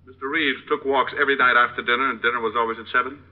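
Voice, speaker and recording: An actor playing a businesslike, clipped police questioner in an old radio detective drama. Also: male voice, medium pitch, steady tone, racing, natural voice. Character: brisk male police questioner. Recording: tinny tape playback in radio drama.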